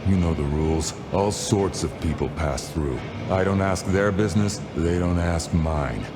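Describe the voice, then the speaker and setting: An actor playing an unflappable, discreet vampire venue keeper in a noir video game, talking in a wry, unhurried, folksy way. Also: male voice, sits low, background noise. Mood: calm, firm.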